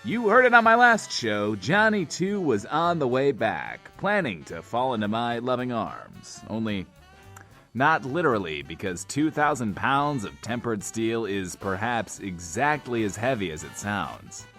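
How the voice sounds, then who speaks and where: An actor playing a vain, playful post-apocalyptic radio host in an audio drama, grandiose and coy, often speaking of himself in third person. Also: male voice, medium pitch, sing-song, measured pace, fairly bright tone, soft background music. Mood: grandiose excitement.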